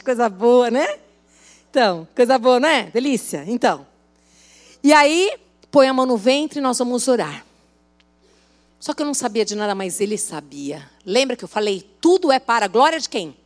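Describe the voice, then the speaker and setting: Her voice slightly high, expressive and a bit quick, a woman pastor delivers a sermon to a women's church service. She chats her way through a story and asks the congregation questions.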